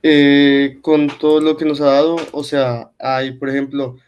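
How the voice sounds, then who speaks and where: A man's voice: medium pitch, level tone, a little slow, darkish tone, muffled recording, a little hiss or hum. A man, a student politely and hesitantly asking his teacher a question in class.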